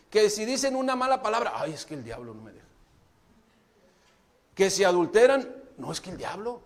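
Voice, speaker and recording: Male pastor, Mexican Spanish accent, high voice, preaching straight to the church. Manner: preaching, addresses the congregation directly. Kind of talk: sermon.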